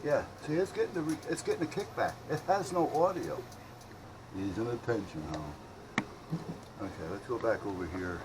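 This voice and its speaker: A man chatting casually and rambling as he thinks out loud while doing hobby radio repair. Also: medium pitch, expressive, normal speed. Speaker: hobbyist radio repairer showing his work. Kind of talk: casual unscripted vlog chat while working. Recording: clearly noisy hobby video recording.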